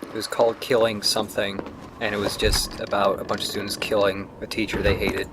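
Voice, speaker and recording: A man's voice: lowish voice, level tone, brisk, background noise. A young man chatting over a video game, making dry, jokey asides. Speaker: let's play co-host. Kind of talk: casual gameplay chat.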